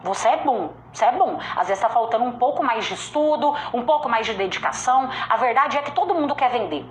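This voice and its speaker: A woman's voice: fairly high pitch, expressive, fast talker, slight background noise. A woman with a strong regional Brazilian accent giving a motivational sales talk, emphatic and direct, repeating her key points. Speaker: sales speaker. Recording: echoey room with faint ambience.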